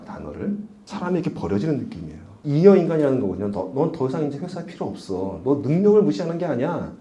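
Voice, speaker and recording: Male lecturer, lively pitch swings, quizzes the audience and drives points home. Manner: addresses the audience with rhetorical questions; emphatic, repeats key points.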